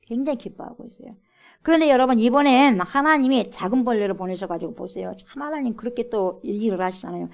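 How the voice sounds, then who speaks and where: A woman's voice: on the high side, fast talker, creaky, darkish tone. A woman pastor preaching an emphatic sermon and keeping the congregation engaged with direct questions. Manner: emphatic, repeatedly addresses the congregation as 여러분. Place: church sanctuary.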